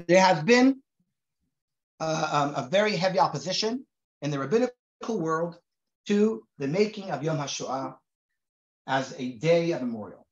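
A man's voice: a little high, expressive. A man in his forties who grew up in Israel teaches a class, talking conversationally and stumbling over repeated words as he goes. He is recorded in a room with a lot of echo. The sound is dull and lo-fi. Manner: reads Hebrew sources aloud quickly. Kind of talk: recorded lecture to a group.

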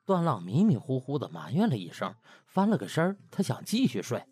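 Highly animated husky male storyteller. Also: a little fast. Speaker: audiobook narrator. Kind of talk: dramatic, colloquial storytelling narration.

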